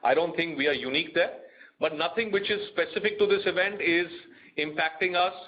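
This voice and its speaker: A man with an Indian accent answering questions as a bank executive on an earnings call, in a measured, explanatory way. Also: on the high side, slight background noise. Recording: muffled conference call audio.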